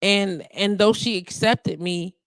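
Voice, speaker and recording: Woman in her 40s, radio host, loose rambling chat, mid pitch, dead dry studio sound. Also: slow pace, no room sound, low-quality recording. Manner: chatty and rambling, with asides and laughs. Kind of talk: casual live radio monologue.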